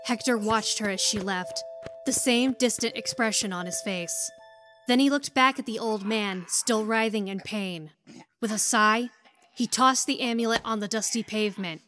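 A woman narrates a scripted audio drama in a fairly high voice. Faint music plays underneath her storytelling. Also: normal speed, a bit bright.

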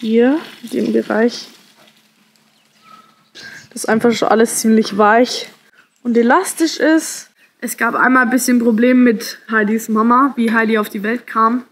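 A woman's voice: on the high side, steady tone, measured pace. A woman, explaining casually in a handheld farm video diary. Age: 20s. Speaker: farmer, vlog host. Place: farmyard and cattle barn. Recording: noisy handheld farm vlog.

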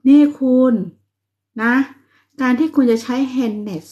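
A middle-aged woman from Thailand hosting a late-night live chat at home, reading viewer comments in a soft, teasing, chatty way and sometimes whispering. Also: on the high side, takes it slowly, muffled recording. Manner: speaks softly, sometimes whispering.

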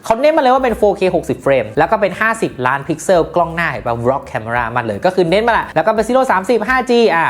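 A woman hosting a casual phone review, playful and jokey, chatting directly to viewers. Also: low-pitched. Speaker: tech reviewer host.

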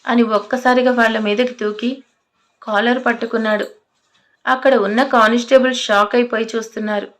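A woman's voice: on the high side, steady tone, moderate pace. A woman telling a scripted audio story in a dramatic way, voicing the characters' lines herself. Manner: dramatic, voices the characters' threats and shouts herself.

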